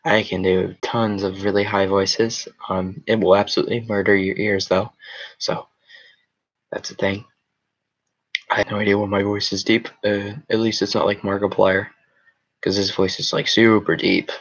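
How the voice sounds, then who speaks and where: A man's voice: lowish voice, level tone, normal speed, muffled recording. A teenage boy wearing a headset, casually rambling through his live chat in a small room with a green backdrop. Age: teens. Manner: rambling, chatty, reacting to comments. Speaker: livestream host reading chat.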